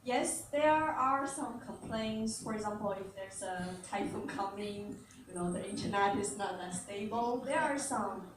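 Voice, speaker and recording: A woman's voice: mid-range voice, a little slow, few pauses. A woman speaking for a company answers press questions hesitantly, often searching for words. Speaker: company representative. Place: large event hall. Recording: echoey hall, distant mic, ambient noise.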